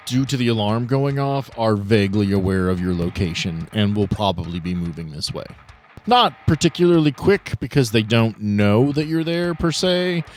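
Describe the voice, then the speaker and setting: A man acting as game master, narrating a tabletop role-playing game in a casual, explanatory way. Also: mid-range voice. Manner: casual, explanatory, joking asides.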